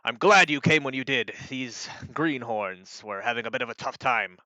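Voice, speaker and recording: A man voicing a gruff older male knight commander who barks orders loudly. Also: mid-range voice, normal speed, dry recording, dull audio, close to an everyday voice. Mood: commanding.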